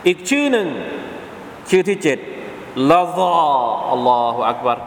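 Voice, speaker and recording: A man teaching a religious lesson at a mosque, chanting Arabic verses slowly between lively explanations and quick self-corrections. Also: high-pitched. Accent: Southern Thai. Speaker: Islamic teacher. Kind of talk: mosque lesson with Quran recitation. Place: mosque hall. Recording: echoey hall with faint hiss.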